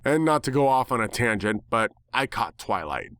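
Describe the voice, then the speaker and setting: Male narrator for dramatic fiction reading, medium pitch, dry recording. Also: sing-song, normal speed, fairly bright tone, no echo. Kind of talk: dramatic scripted story narration.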